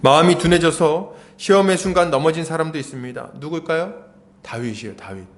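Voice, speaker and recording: Male pastor, high voice, lively storytelling sermon. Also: brisk. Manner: animated storytelling with rhetorical questions.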